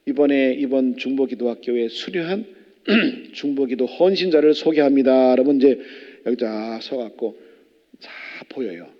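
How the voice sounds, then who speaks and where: A man preaching a sermon as pastor, animated and firing rhetorical questions at the congregation. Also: mid-range voice. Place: church sanctuary. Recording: long church reverb, dull lo-fi.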